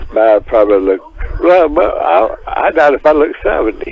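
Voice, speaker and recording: A man speaks at a fairly slow pace while noticeable background noise fills the recording. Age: 80s+. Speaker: prank call target. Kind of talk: casual phone chat. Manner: halting.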